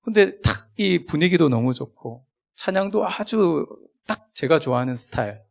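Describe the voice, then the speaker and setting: A man preaching a sermon as a guest pastor, chatty and humorous, with big swings in loudness, acting out remembered conversations. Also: a little high, expressive, moderate pace, vocal fry. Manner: acts out remembered dialogue.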